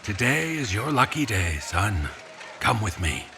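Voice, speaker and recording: A man playing a sly, controlling gentleman shopkeeper in an audio drama, with a husky voice and formal, menacing politeness. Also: on the low side, big pitch swings, slight background noise, full character voice. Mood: inviting, sly. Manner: formal, smooth-talking, deliberate wording. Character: sly, controlling, menacing fancy gentleman puppet-shop owner. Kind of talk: scripted audio drama dialogue.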